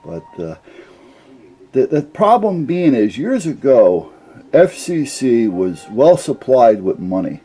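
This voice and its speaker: Older man with a very dark, mellow voice. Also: mid-range voice, big pitch swings, slow pace, husky. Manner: rambling, plain-spoken, folksy. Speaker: CB radio hobbyist explaining gear. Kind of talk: casual unscripted explainer.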